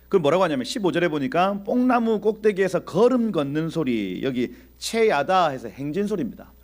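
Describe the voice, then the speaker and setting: A man teaching a Bible exposition in an animated preaching style, speaking directly to his audience and acting out scenes. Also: a little high, fairly quick. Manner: animated, acts out quoted dialogue.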